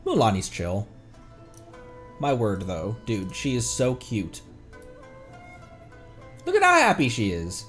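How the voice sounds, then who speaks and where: A man streaming a game, talking casually to viewers in an animated, rambling way and muttering to himself. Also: lowish voice, slow pace, pauses often, faint music behind. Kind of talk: casual livestream gaming chat with viewers.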